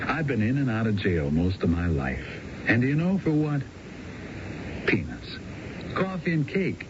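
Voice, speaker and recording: An American actor playing a brazen, smooth-talking male ex-convict hustler in a radio drama, glib and persuasive. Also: mid-range voice, very animated, measured pace. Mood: brazen, philosophical. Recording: dull, noisy old radio broadcast.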